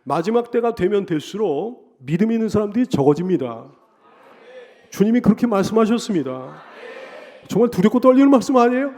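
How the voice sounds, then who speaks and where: A man preaching a Sunday sermon as a pastor. He repeats phrases and asks rhetorical questions, building loud on key lines and dropping low on others. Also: very animated, a little fast. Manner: emphatic repetition and rhetorical questions.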